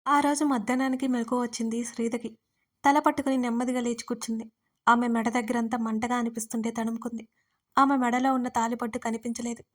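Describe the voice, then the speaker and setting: A woman narrating a serialized audio story in a steady, even reading. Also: a little high, quick pace.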